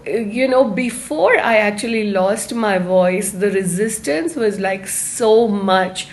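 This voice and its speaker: A woman hosts a live self-help session for online viewers. She speaks slowly and deliberately in a medium-pitched voice, halting between short phrases and leaning on certain words. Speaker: host of a live-streamed self-help series.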